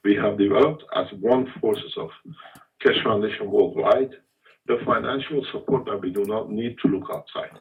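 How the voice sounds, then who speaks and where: A man speaking to a workshop through a phone handset while his signal breaks up. He talks haltingly, with restarts and stretched phrases. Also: fairly low pitch. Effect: signal breaking up on a remote call. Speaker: foundation head addressing a workshop. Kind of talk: speech over a call. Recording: distant muffled dropping call audio.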